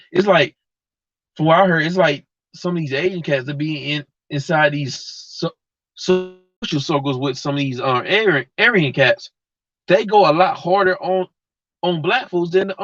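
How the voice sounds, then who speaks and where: Here a man hosting a livestream vents to his chat in a casual, slangy, heated way, not mincing words. His voice sits on the high side with a fairly bright tone, recorded without echo on a dull lo-fi microphone.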